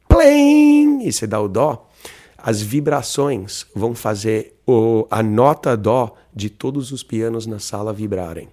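A young man with a Brazilian Portuguese accent co-hosting a casual podcast, animated and slangy, sometimes slowing into a calm low voice. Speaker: podcast co-host.

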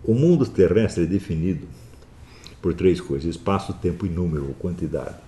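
A man with a very low, dark voice gives a lecture to his students. He talks emphatically, scolds at times and keeps checking in with tag questions. A faint hiss sits under the recording. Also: lively intonation, normal speed. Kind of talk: philosophy lecture.

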